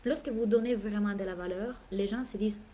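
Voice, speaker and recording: A business coach whose first language isn't French gives a live masterclass in French, her mid-range voice fairly quick, animated and playful, with theatrical asides. She is emphatic and repeats phrases for effect, with slight background noise in the recording.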